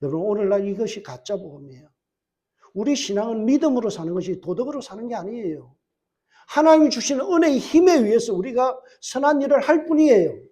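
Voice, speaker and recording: A man's voice: very high-pitched, a little mellow. A male pastor preaching a church sermon, putting rhetorical questions to the congregation and answering them with emphatic, repeated phrases. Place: church service.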